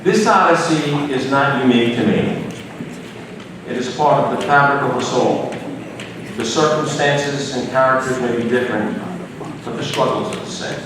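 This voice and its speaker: A middle-aged man giving an earnest, measured prepared speech. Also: mid-range voice. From United States. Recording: echoey hall from far off, noisy.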